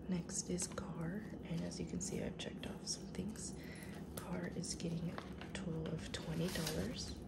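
A woman speaks fairly slowly over loud background noise. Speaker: budgeting content creator. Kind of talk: casual talk to camera.

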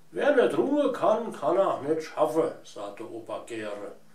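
A man speaks with a Hunsrück accent at a fairly slow pace, with audible room echo. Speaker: dialect author. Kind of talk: dialect word explanation. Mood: calm, warm storytelling. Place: home room. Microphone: camera far.

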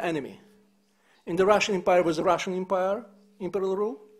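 With a Ukrainian accent, a man talks at a very fast pace in a high pitch, his intonation fairly even. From Ukraine. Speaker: historian, professor; professor. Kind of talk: panel discussion. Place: hall. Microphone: studio mic.

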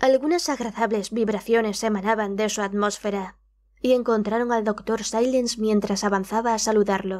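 A theatrical voice moves at a moderate pace with fairly even intonation on a very clean recording with a silent background. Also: woman. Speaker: audiobook narrator. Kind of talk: dramatic audiobook narration of a gothic story, with character voices. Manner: measured, suspenseful, hushed tone building tension; changes voice for each character, formal and theatrical.

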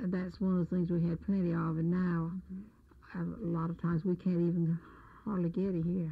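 Delivery comes at a fairly quick pace with monotone, flat intonation. The voice is somewhat breathy. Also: woman, fairly low pitch for a woman. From Ocracoke, North Carolina. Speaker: retired nurse and midwife's assistant. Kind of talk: oral history interview answer. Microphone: old recording.

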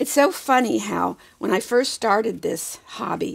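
A woman speaks at a moderate pace with very wide swings in pitch and some vocal fry. The background is quiet. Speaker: reborn doll collector vlogger. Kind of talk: casual chat. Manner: halting, repeats words. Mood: warm, reflective.

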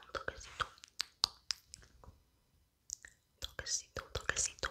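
Whispering at a fairly slow pace, a woman speaks. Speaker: ASMR creator. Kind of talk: soft ASMR roleplay chat. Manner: whisper while applying lipstick. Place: home room. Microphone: studio mic.

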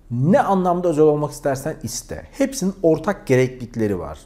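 A man with a dark, mellow tone and fairly high pitch speaks at a moderate pace. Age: 40. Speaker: online educator. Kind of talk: vlog-style talk to camera. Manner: casual conversational. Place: home room. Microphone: lapel.

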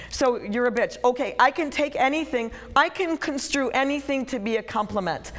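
Noticeable background noise sits behind a woman speaking at a high pitch in an animated tone. She keeps a moderate pace with ordinary pitch variation. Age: 50s. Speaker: parenting coach and author. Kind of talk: workshop class. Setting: room with live audience.

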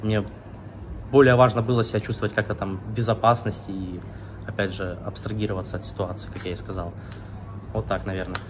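At a fairly quick pace but with long, frequent pauses, a man with a fairly low voice keeps a fairly even intonation over noticeable background noise. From Russia. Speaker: software developer; street interview respondent. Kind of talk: interview. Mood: calm, thoughtful. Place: street.

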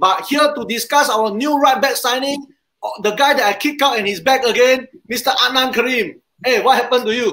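The voice is raised and projected, moving at a fairly quick pace. The background is quiet. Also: man, extremely high pitch for a man, ordinary pitch variation. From Singapore. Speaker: football podcast host. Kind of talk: casual fan talk show. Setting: video call. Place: home room.

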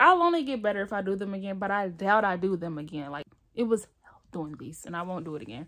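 Over a quiet background, a woman talks at a very fast pace with lively intonation, a bright, sharp tone and big swings in loudness. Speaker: vlogger. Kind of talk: casual vlog chat. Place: home room. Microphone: phone near.

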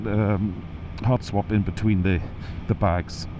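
Over noticeable background noise, a man with a very deep, low pitch speaks at a moderate pace with ordinary pitch variation in a dry sound with no echo. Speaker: motorcycle vlogger. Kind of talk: casual vlog chat. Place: motorbike. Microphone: lapel.

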